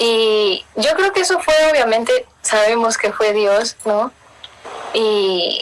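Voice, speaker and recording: A woman with a Mexican accent speaks very slowly in a fairly high voice. There is noticeable background noise. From Miami, with stays in Mexico. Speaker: singer-songwriter. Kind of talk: interview.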